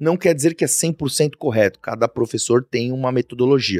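A man with a plain, everyday voice speaks at a medium pitch and a fairly quick pace. His intonation is lively, and the sound is dry and close with no echo. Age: 30s. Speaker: athlete and entrepreneur. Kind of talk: casual chat.

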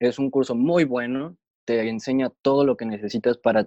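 His voice has a dark, mellow tone and sits at a medium pitch. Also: dry, close sound with no echo. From Mexico, Querétaro. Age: 20s. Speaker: podcast co-host, marketing entrepreneur. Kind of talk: casual chat. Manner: halting, many repetitions.

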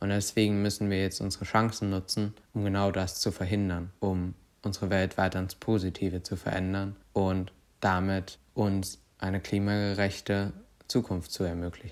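The recording is very clean, with a silent background. A man talks at a moderate pace in a fairly low, monotone pitch with flat intonation. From Halle an der Saale, eastern Germany. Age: 20s. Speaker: climate activist. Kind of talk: casual interview.

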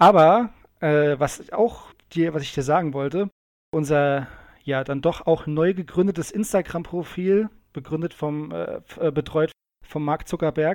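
Speaking at a fairly slow pace with long, frequent pauses, a man with a fairly high voice uses ordinary pitch variation. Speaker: podcast co-host. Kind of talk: casual chat. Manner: relaxed.

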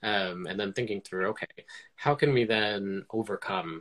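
This man speaks with a New York accent at a fairly low pitch. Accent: US Northeast (New York) English. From upstate New York. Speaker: author and educator. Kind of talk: casual interview. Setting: live video stream.

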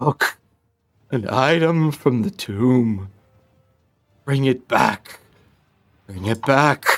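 Using a put-on character voice, a man speaks at a very slow pace with medium pitch, ordinary pitch variation, and long, frequent pauses. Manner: commanding, repeating.

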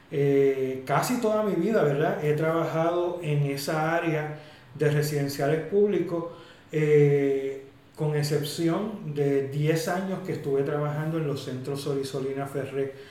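Very slowly, a man speaks with fairly even intonation at a fairly high pitch. Audible room echo and noticeable background noise fill the recording. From Puerto Rico, Ponce. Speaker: podcast co-host, community worker. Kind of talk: casual conversational interview. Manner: hesitant, many fillers and repetitions.

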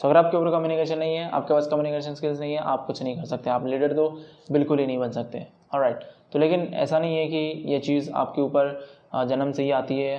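Fairly even intonation marks this man's fairly high voice. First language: Marathi (speaking Hindi). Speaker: podcast host. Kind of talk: motivational talk. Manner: halting, many fillers.

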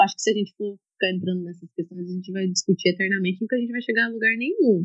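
A woman speaks at a medium pitch. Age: 30s. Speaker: writer and researcher on feminism and Christianity. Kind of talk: interview.

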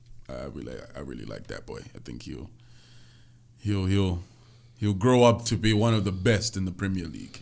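A man's very deep, low voice with vocal fry, very wide pitch swings and big swings in loudness, at a moderate pace broken by long, frequent pauses. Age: 20s. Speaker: podcast co-host. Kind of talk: casual chat.

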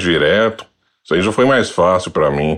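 An unremarkable speaking voice, a man talks at a fairly slow pace with a fairly low pitch and ordinary pitch variation. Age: 40s. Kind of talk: interview.

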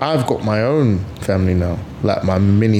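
A man talks in a fairly low pitch with an animated tone. Background noise is noticeable. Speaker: podcast guest and gym brand founder. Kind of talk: casual chat. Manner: animated, joking.

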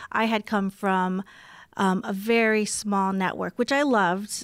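A woman speaks with a Californian accent and fairly even intonation. The recording is very clean, with a silent background. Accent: General American, Californian. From Southern California (Diamond Bar). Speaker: TV network diversity executive. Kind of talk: casual interview.

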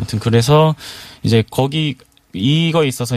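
The pace is moderate. Pitch variation is ordinary. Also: man. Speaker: politician. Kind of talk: panel discussion. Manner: halting.

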